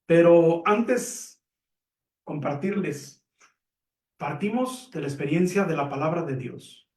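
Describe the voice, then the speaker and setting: A Catholic teacher on a program gives a calm, measured religious lesson, reflecting and explaining with simple examples. His voice sits on the high side, and the recording is echoey, with the mic at a distance.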